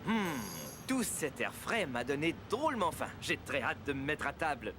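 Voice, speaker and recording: An actor playing a patient, kind father in a French cartoon dub, calmly explaining and reassuring. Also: on the high side, moderate pace. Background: background music.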